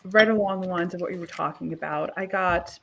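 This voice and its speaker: A woman's voice: lowish voice, a little fast, vocal fry, a bit bright, a little hiss or hum. A woman from Ukraine hosting a live online tarot reading, chatty with many fillers. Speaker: host. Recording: dull lo-fi sound.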